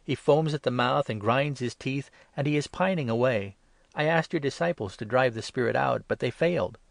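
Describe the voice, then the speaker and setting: A man's voice: mid-range voice, moderate pace, creaky, no echo, pitched above the performer's own voice, lightly acted. A man reading scripture voices an anxious father of a sick boy, pleading with a raised voice.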